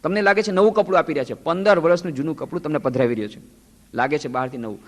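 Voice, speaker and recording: A man's voice: a little high, very fast. Man preaching in a reverberant hall. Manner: storytelling, acting out quoted voices. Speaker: monk giving a lecture series. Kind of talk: spiritual discourse.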